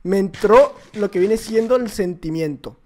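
A man with a Mexican accent and a fairly high voice commentates his own gameplay live. He is excitable and loud, shouting at opponents and repeating quick exclamations. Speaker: YouTuber playing a block-building game.

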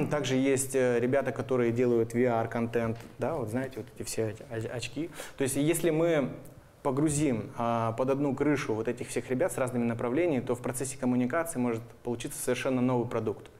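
A man in his thirties with a medium-pitched voice, speaking as an interview guest. He explains plans haltingly, pausing mid-phrase to find his words, in a studio setting. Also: a little mellow. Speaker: guest, animation studio representative. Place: indoor TV studio. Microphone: lapel mic.

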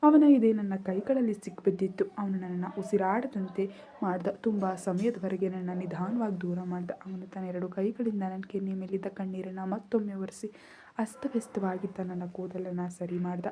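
A woman's voice: medium pitch, steady tone, moderate pace, mellow. Woman narrating an emotional romance story.

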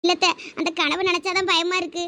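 A woman's voice: very high-pitched, steady tone, fast, pushed and bright. A woman voicing an anxious, tearful young daughter-in-law in a village family skit. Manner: pleading, tearful.

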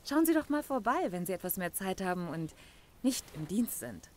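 A woman's voice: mid-range voice, sing-song, normal speed, a little mellow, close to an everyday voice. A woman playing an effusive, devout member of a spiritual community in an audio drama, with an inviting, gushing manner. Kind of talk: German audio drama acting.

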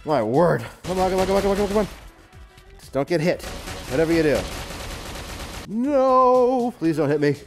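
A gaming video host with a high-sitting voice and lively intonation speaks at a moderate pace, pausing frequently. He comments casually and exclamatorily as he plays, muttering repeated short phrases and clean, mild exclamations over game music and sound effects.

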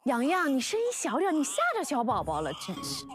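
A woman voicing a patient mother in a children's cartoon. She soothes and coaxes, with many soft fillers. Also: high-pitched, huge pitch swings, a little fast, very noisy. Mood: coaxing. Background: cartoon background music.

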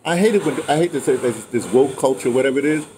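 A man in his sixties with an American accent, chatting casually and telling stories in a digressive, animated way. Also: mid-range voice, fast talker. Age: 60s. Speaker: host of an audio memoir channel. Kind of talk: casual storytelling chat. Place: outdoors on a patio in daylight. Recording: outdoor ambient noise.

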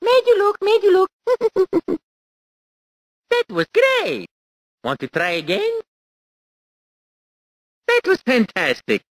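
Mario, a squeaky Italian-accented plumber. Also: male voice, wildly swooping pitch, slow, pauses often, no room sound, full character voice. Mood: encouraging. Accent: exaggerated Italian. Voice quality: squeaky, sing-song. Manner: goofy and encouraging, giggly. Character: cheerful cartoonish male plumber hero, bubbly and playful. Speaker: typing tutor guide. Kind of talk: video game character voice lines.

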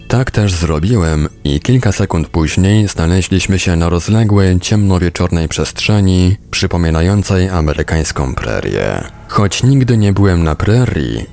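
Guy reading an audiobook, really low voice with lots of gravel in it. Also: darkish tone. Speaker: audiobook reader. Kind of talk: scripted narration of a book.

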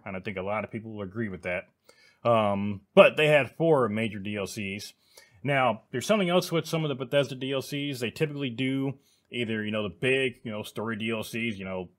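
A man's voice: fairly low pitch, a bit bright. A man hosting his gaming channel, chatting casually with many fillers and restarts. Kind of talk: casual video commentary.

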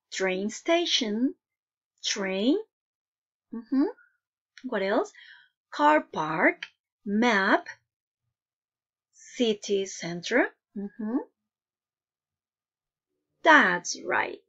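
A primary school English teacher, a woman with a mid-range voice, runs an online lesson for young children in the upbeat style of a kids' TV host, with the high frequencies cut off. Addressing viewers directly, she prompts her pupils with questions and keeps tacking on little checks like "no?" and "okay?".

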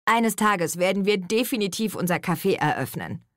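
A woman reading an audiobook, voicing a bubbly, excitable young woman friend in a chirpy, gushing way. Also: medium pitch, normal speed, dry recording, clean studio sound, voice pushed up, close to an everyday voice.

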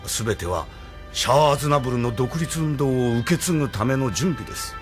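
An actor playing a loyal rebel admiral who speaks politely and proudly in a radio drama. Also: male voice, medium pitch, expressive, a little fast, soft background music, lightly acted. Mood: earnest. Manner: polite, deferential yet proud. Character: loyal middle-aged male rebel admiral, earnest.

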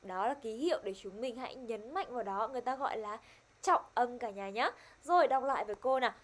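A woman's voice: fairly high pitch, expressive, fast talker, noisy background. A woman teaching a primary-school English lesson online, upbeat and coaxing. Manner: upbeat, coaxing, switches between two languages.

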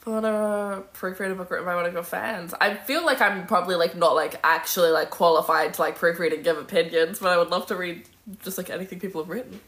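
Casting: woman in her twenties, lowish pitch with a bright edge, opinionated casual livestreamer, recorded in a roomy space. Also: fairly even intonation, fast. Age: 20s. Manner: emphatic, sweary, opinionated. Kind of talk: casual livestream chat answering viewer comments. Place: indoor room at home with bookshelf. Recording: roomy echo from phone mic.

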